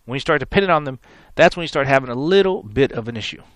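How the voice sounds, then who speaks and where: A man hosting a live Christian radio talk show, with a raspy, hoarse voice, talking in a rambling, repetitive, folksy preaching manner. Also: mid-range voice, animated, fast, fairly bright tone, no room sound. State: hoarse from many interviews. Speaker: radio show host and minister. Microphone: studio microphone.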